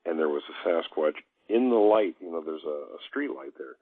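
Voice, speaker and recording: Low husky man on a phone line. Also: lively intonation, normal speed, no room sound. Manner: hesitant, rambling, chuckles. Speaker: guest telling encounter stories. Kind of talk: casual radio chat. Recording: dry phone-line call audio.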